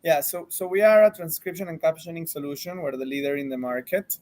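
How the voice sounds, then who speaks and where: A man's voice: fairly high pitch, quick pace, a little mellow. A man from Venezuela, a marketing executive answering interview questions from his office, casual, with many fillers and restarts.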